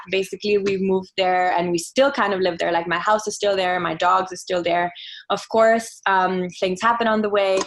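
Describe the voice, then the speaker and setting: Chatty, reflective young woman guest. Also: mid-range voice. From Italy. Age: young adult. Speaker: podcast guest. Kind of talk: casual conversation.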